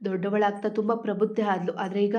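A woman's voice: mid-range voice, flat delivery, fast talker, highs cut off, natural voice. A woman voicing a weary, self-sacrificing older mother. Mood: sorrowful.

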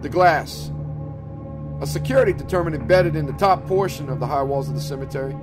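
Man narrating horror fiction, fairly high voice, music playing behind, dramatic read. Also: brisk. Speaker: audiobook narrator. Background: background music.

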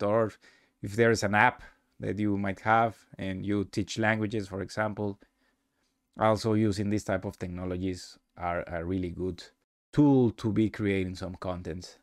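A man narrating a casual software tutorial with halting, rambling phrasing. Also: fairly low pitch, no room sound, clean studio sound. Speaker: presenter of a software demo.

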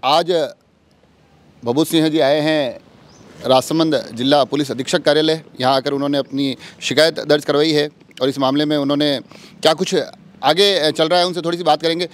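A man's voice: on the high side, fairly even intonation, moderate pace. A man, interviewing as a news reporter on a handheld microphone outdoors. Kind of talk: field interview. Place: outdoors in an office compound.

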